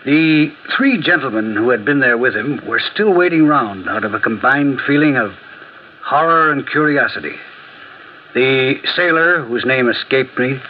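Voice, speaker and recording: A man's voice: medium pitch, moderate pace, narrow, tinny audio, a little hiss or hum, natural voice. A man playing a dry, ironic detective who narrates a radio play mystery. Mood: narrating.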